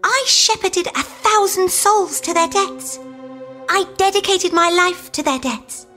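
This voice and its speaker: Slow, very high-voiced death cultist. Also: female voice. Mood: morbid reverence. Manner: deliberate, drawn-out, reverent about death. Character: intense cultist woman savouring the deaths she witnessed. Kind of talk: audio drama monologue. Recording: music bed underneath.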